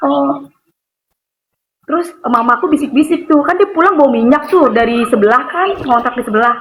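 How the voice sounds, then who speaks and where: A woman's voice: high voice, expressive, brisk, a little hiss or hum, low-quality recording. A woman giving a personal testimony over a call, chatty, filling her story with little tag words and acting out the voices of the people in it. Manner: chatty storyteller, acts out quoted voices, many gitu and kan fillers.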